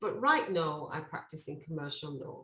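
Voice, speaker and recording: Her pitch very deep and low, a woman with an English accent speaks at a moderate pace. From England. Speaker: lawyer, audience participant. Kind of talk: audience question in online masterclass. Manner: halting.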